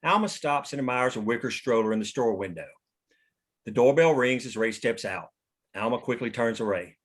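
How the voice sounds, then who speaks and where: A man's voice: medium pitch, normal speed. Man reading screenplay stage directions. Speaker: stage directions reader at a script table read. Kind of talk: scripted narration.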